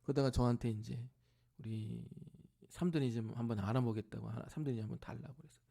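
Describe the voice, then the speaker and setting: A fast-talking middle-aged man with a gravelly, mid-range voice preaches from a church sanctuary. Sharing a family story in sermon form, he voices his relatives in lively bursts, then falls to a near-whisper when things turn tender.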